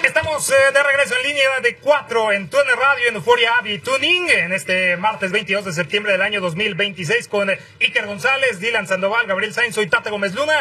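A man's voice: high-pitched, fairly quick, few pauses, bright, forceful tone, breathy edge, distant mic. A man hosting a live sports talk show, slightly off the microphone. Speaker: sports radio host.

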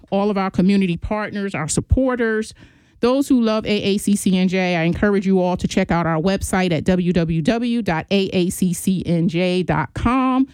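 A woman's voice: mid-range voice, darkish tone, smooth, no echo. A woman hosting a radio program, reading event announcements in an upbeat promotional way and welcoming a guest. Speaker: radio show host for a business chamber. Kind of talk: reading announcements, then interviewing.

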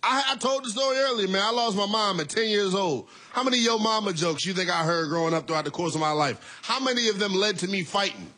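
A man in his twenties hosting a call-in sports talk show, animated and laughing as he banters with callers. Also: high voice, quick pace, hardly any pauses. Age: 20s.

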